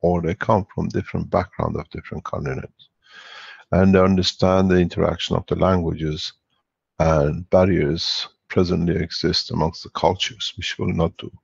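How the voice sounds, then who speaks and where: A man hosting an online call, speaking in a deliberate, formal way. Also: sits low, level tone, vocal fry, husky, dry recording. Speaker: host. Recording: dull lo-fi call audio.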